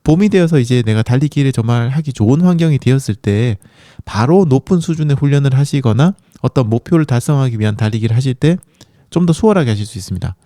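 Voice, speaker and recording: A man's voice: mid-range voice, expressive, fast, warm tone, no echo, clean studio sound. A man hosting a running podcast in a chatty, encouraging monologue, with a sore throat from a coming cold. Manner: encouraging, chatty, many fillers.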